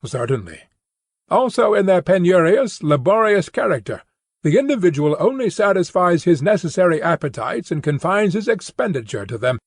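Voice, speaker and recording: A man reading a philosophical dialogue as an audiobook, in a measured, formal and expressive way. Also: on the high side, slightly rough, dry recording, clean studio sound. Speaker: audiobook reader. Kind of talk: scripted narration of a philosophical dialogue.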